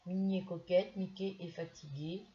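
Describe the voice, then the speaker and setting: A woman's voice: fairly low pitch, steady tone, normal speed, mellow, muffled recording. A middle-aged woman from France chatting casually in a haul video, hesitant and full of restarts as she shows a purchase. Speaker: craft vlogger.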